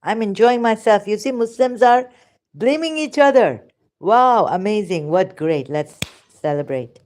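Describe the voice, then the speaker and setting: A woman's voice: medium pitch, lively intonation, a little slow, a little mellow. A woman with a Pakistani accent giving rambling, sarcastic religious commentary in broken English. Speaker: vlogger.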